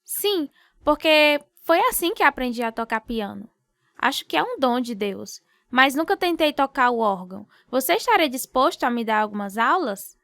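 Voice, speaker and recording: A woman acting as a devout, sincere young pianist in a radio drama, speaking in an earnest, gently firm way. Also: sits high, sing-song, normal speed, no room sound, clean studio sound, full character voice. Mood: curious, friendly. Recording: loud car ambience noise.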